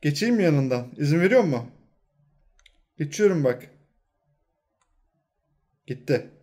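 Hosting a gaming channel, a young man talks his way slowly through a horror game, addressing both himself and the game. His pitch swings widely from low muttering to scared yelling, and his throat sounds strained from all the shouting.

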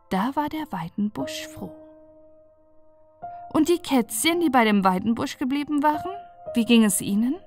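A woman with a medium-pitched voice narrates a fairy tale as an audiobook reader, telling the story in an expressive, deliberate way.

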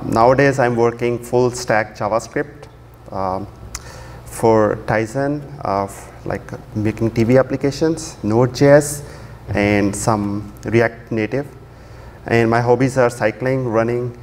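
A man's voice: medium pitch, slow, slight background noise. Man in a hall. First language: Urdu. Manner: relaxed, many fillers and restarts. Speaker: conference speaker. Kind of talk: technical conference talk. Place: large dark auditorium, at a podium. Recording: long hall reverb, faint ambience.

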